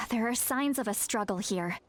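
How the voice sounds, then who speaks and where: A woman's voice: a little high, measured pace, soft background music, close to an everyday voice. A woman playing a brash, impatient tribal warrior in a video game, with a hot-tempered, muttering manner. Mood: analytical. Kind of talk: video game character voice acting.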